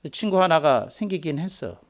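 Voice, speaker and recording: A Korean man who is a pastor, preaching a sermon in a storytelling way that slows down for emphasis. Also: very animated. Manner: storytelling, voicing quoted people with rising pitch and force.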